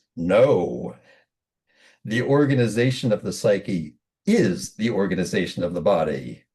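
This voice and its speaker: A man's booming, put-on character voice at a fairly low pitch, with very wide pitch swings, a moderate pace and long, frequent pauses. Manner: authoritative, corrective.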